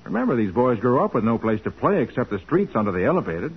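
American private eye from a 40s radio show, decisive n fair, muffled old recording, husky-ish voice. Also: male voice, medium pitch, big pitch swings, quick pace. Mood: earnest. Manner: firm, earnest, decisive. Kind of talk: 1940s radio drama acting.

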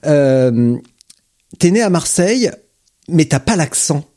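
A man in his thirties hosting an interview, teasing his guest in a relaxed, joking way. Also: a little high, takes it slowly. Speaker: podcast host, interviewer. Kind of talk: casual interview chat.

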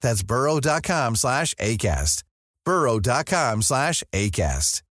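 Male announcer, lively intonation, dry close sound, polished ad read. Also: medium pitch, takes it slowly, dry recording. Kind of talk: scripted ad read.

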